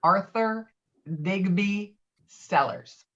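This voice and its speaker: Brash, domineering, sweary buddy type played by a woman, mid pitch, muffled call audio. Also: drawn-out words. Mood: exasperated, forceful. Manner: blustering, swearing, insistent. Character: brash, foul-mouthed, domineering male friend named Walter. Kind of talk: virtual table read of a film script. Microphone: video call.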